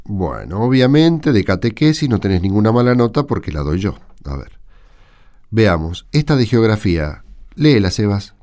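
A man's voice: lowish voice, very animated, moderate pace, warm tone. A man with an Argentine accent acting an indignant, argumentative catechism teacher in a radio drama. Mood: questioning, patient. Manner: argumentative, emphatic. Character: indignant male catechism teacher defending a bullied pupil.

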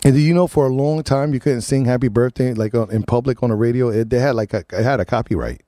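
A man's voice: medium pitch, fast talker, mellow, no echo, clean studio sound. A man hosting a morning show, chatting casually and rambling through restarts as he tells stories. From Puerto Rico. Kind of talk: casual radio chat.

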